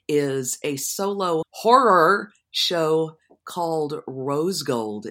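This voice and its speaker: A woman performer guest with a morning voice, chatting in an animated, playful way. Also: sits low. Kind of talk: casual interview chat.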